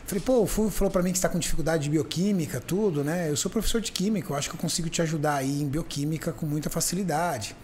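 A man's voice: fairly high pitch, racing, hardly any pauses, slight background noise. A man hosting a podcast, telling a story in casual chat and acting out the voices of the people in it. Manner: animated, acts out the voices in his stories. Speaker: podcast host.

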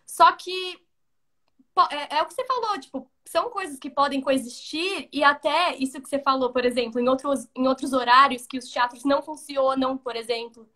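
A young woman hosts a live chat from her home over a video call. Her voice is high and bright with a sharp edge, and she chimes in with quick agreement and lots of fillers. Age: young adult. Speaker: host. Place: home room, indoors.

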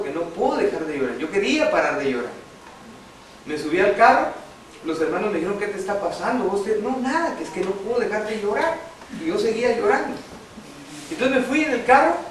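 A middle-aged man preaches in a fairly high voice, chatting with his congregation and pausing for their replies. He sounds distant from the mic in a very echoey church hall, with a clear hum of background noise. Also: animated. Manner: conversational, asks the congregation questions, tells a story with laughs. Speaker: lay preacher.

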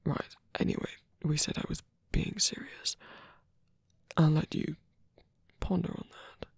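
A man acts out a villain in love for an intimate ASMR roleplay. His voice is very breathy and gravelly, recorded dry and close. He speaks slowly and hesitantly, often near a whisper, flirtatious yet sincere and protective. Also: fairly high pitch, fairly even intonation, no room sound, heavily acted. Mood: hesitant, tender. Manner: halting, hesitant confession with small sighs. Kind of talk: ASMR roleplay, intimate one-sided dialogue.

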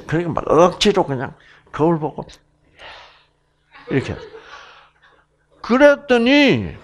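Slow, lively male health lecturer. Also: a little high. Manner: animated storytelling, acts out sounds.

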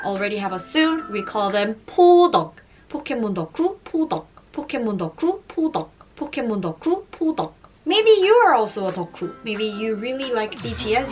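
A young woman from South Korea with a Korean accent, teaching slang words in an upbeat lesson and repeating each term for practice. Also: a little high. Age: young adult. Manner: bubbly, repeats words for practice, expressive hand gestures. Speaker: Korean language teacher and YouTuber. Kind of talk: upbeat vlog-style language lesson. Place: small indoor room in front of a plain wall. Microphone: camera framed at chest height.

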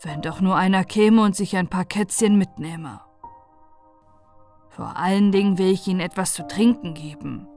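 A woman's voice: fairly low pitch, moderate pace, a little mellow, faint music behind, natural voice. A woman voicing a fretful, proud fatherly willow bush in a fairy tale, earnest and exclaiming. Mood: worried.

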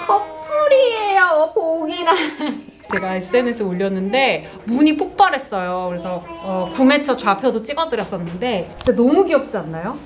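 A woman in her thirties chatting casually and expressively to camera as a vlogger, showing off personal items with cute exclamations. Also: medium pitch. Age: 30s. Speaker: vlogger, host. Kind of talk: casual product show-and-tell to camera. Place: bright small indoor room with sofa.

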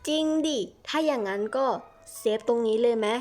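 Brief: a chatty woman running a game role-play, fairly high voice, faint music under her. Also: moderate pace, a little mellow. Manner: chatty, switching between characters.

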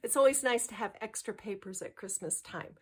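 A woman's voice: mid-range voice, a little fast, slightly rough. A cheerful middle-aged woman casually chatting as she presents a craft kit at a table, upbeat and enthusiastic. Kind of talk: casual craft show-and-tell.

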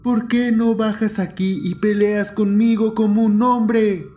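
A man voicing a small, angry, menacing teddy bear with a soft childlike voice in a horror audio story, taunting and belligerent. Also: high voice, little pitch movement, takes it slowly, soft background music. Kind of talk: horror audio fiction acting.

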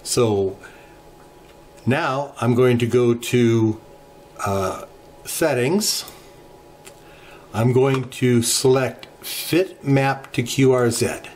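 A middle-aged man hosting a ham radio channel, walking through software settings in an unhurried tutorial with many filler pauses, recorded at a desk in his home radio room. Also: medium pitch, a little hiss or hum. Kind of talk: screen-share software tutorial. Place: home radio shack, indoors.

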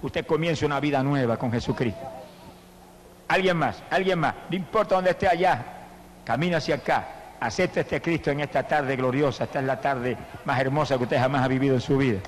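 A male evangelist preaching a fervent sermon with an altar call, swinging from hushed tones to loud exclamations. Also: medium pitch, a little fast, a little hiss or hum.

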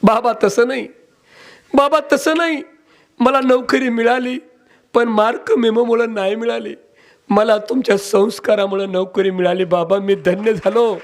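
A man's voice: high-pitched, fairly even intonation, measured pace. A man voicing a young son who tearfully thanks his father. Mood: emotional. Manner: pleading, emotional.

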